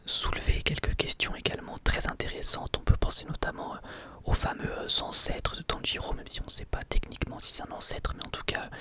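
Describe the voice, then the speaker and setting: Casting: ASMR review host who whispers throughout, breathy and soft, expressive in pitch, informal and keen. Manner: casual, enthusiastic wording with slangy French. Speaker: host of an anime review channel.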